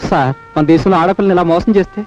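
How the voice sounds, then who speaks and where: Actor doing a timid kind constable, high voice, fast pleading talk, dull film soundtrack with music. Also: male voice, darkish tone, natural voice. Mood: deferential. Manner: deferential, pleading. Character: meek, kind-hearted male village constable. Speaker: police constable.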